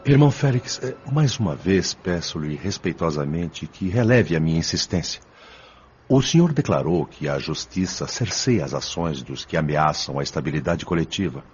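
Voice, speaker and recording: An actor playing a respectful but insistent spirit pupil in a radio drama, speaking formally and deferentially. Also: male voice, very deep voice, expressive, normal speed, a little mellow, dull audio, a little hiss or hum. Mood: respectfully insistent. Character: respectful, insistent male spirit pupil questioning his mentor.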